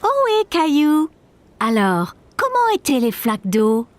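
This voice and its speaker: A kind young mother in a children's cartoon. Her voice is fairly high and swings melodically, tender and cheerful, with soft music behind. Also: sing-song, measured pace. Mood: cheerful, caring.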